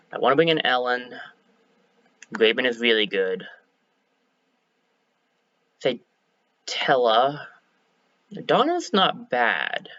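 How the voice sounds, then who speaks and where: Casual male game streamer, slightly hoarse, bright tense tone, thinks out loud; dry, dull home mic. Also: medium pitch, no echo. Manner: chatty, self-correcting, thinks aloud. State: a bit hoarse. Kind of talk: casual let's-play commentary.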